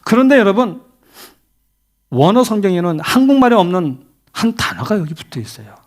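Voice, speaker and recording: A man's voice: high voice, big pitch swings, fairly quick. A middle-aged man preaching a sermon as a pastor in a church, telling stories and asking the congregation questions. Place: church sanctuary.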